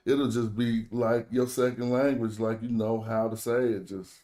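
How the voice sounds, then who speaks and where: An American man hosts an online group lesson as a language teacher, chatting casually in African American Vernacular English with loose, slangy phrasing. His voice is medium-pitched and warm, with a level tone and a moderate pace.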